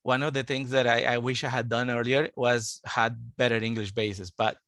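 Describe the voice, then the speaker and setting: Guy in his 50s, steady and earnest, dry close sound. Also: mid-range voice, normal speed, no room sound. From Colombia. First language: Spanish. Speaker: guest, international student advisor. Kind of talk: interview, telling his life story.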